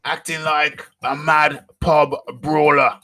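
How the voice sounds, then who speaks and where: A boxing talk show host streams live, joking around, repeating phrases and hyping up his viewers. His voice is a little high and level in tone, delivered slowly with vocal fry and a bright, forceful edge.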